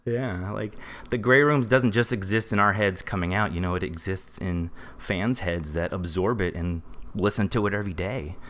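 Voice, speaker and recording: Man, deep voice, casual podcast interview, conversational, rephrases often. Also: moderate pace, few pauses, a bit bright, slight background noise. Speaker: podcast team member. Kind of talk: casual group interview chat.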